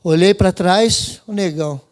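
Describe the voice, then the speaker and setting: A Brazilian man with a strikingly high voice speaks to a church congregation. He reads scripture and tells his story in loose street slang, voicing the people in it himself. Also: measured pace, a little mellow. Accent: Brazilian Portuguese. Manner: informal street slang, acts out dialogue. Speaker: preacher giving testimony. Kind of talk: sermon with personal testimony. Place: church service.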